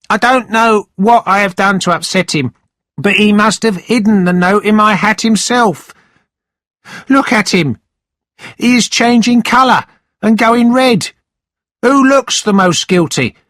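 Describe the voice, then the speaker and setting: A man's voice: takes it slowly, pauses often, a bit bright, no room sound, studio quality. A man voicing an earnest young servant lad. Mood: indignant. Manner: earnest, high-pitched pleading. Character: honest young male servant, pleading.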